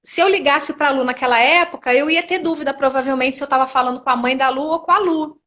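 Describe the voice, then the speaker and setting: A woman's voice: sits high, fast talker, sharp tone. A middle-aged woman, a speech therapist, explaining voice topics with everyday examples over a video call. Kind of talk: explanatory live-stream chat.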